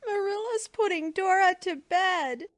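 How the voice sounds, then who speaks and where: A woman's voice: high-pitched, big pitch swings, measured pace, no echo, studio quality. A woman voicing a sulky, blunt eight-year-old boy in a storybook, with childish, ungrammatical country talk. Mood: tearful, aggrieved.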